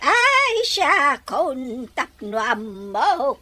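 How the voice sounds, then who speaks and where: A woman playing a kindly, easygoing old grandmother in an audio drama, with a drawn-out, expressive delivery. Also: sits high, exaggerated voice. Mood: delighted.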